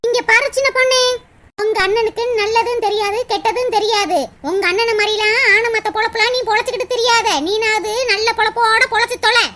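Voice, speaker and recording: A woman voicing a sharp-tongued young daughter-in-law in a cartoon drama, scolding and sarcastic. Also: very high voice, fairly even intonation, brisk, a little hiss or hum.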